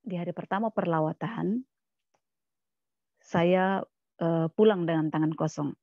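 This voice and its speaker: A woman with a lowish voice tells her testimony to a church congregation, plainly and with many restarts. The recording is dry and a little muffled. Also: measured pace, no room sound. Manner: plain storytelling, repeating words and restarting, quoting others. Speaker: guest speaker at a church service. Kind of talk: testimony sermon, storytelling.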